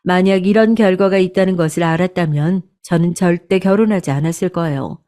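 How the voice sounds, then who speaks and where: A woman reading a scripted first-person story in an even, confessional manner. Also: on the low side.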